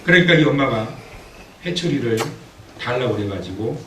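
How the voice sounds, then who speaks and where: A man preaching a sermon as pastor, telling a story with acted-out quotes and building to loud exhortation, recorded in a church. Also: medium pitch, lively intonation, moderate pace, noisy background. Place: church sanctuary. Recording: echoey church hall, mic at a distance.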